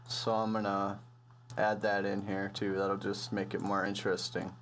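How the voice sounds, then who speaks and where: Low-voiced man giving a casual tutorial. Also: completely flat delivery, normal speed, fairly bright tone, a little hiss or hum. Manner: informal, slangy, loosely improvised explaining. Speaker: music production tutorial presenter. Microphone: computer voice-over on a microphone.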